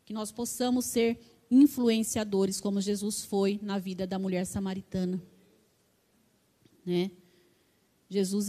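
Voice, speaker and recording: A woman's voice: fairly high pitch, dark tone. Fervent Brazilian woman preaching. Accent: Brazilian Portuguese. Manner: fervent, personal testimony with many "né" tags. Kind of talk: sermon.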